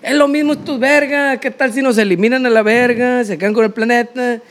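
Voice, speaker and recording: A man with a Mexican accent in casual comedic chat, crude and slangy, telling stories in an animated, joking way. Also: extremely high pitch, brisk. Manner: crude, heavy slang and swearing. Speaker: podcast co-host.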